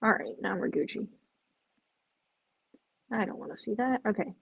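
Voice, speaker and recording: A woman's voice: mid-range voice, expressive, normal speed, vocal fry, slightly rough, phone-quality sound. A woman hosting a live stream, chatting casually with viewers, sounding tired and rambling. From Chicago area. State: drowsy, yawning.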